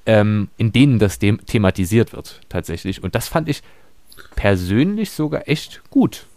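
A man's voice: fairly low pitch, sing-song, normal speed, a little mellow, no echo. A man in a casual book discussion, arguing his view as a podcast panelist.

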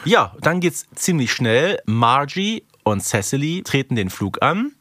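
A man with a mid-pitched voice talks as a podcast co-host in a conversational recap style. He reasons through each point analytically and often adds short tag questions. The recording is close and dry, with hardly any room sound. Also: big pitch swings, unhurried, sharp tone, dry recording.

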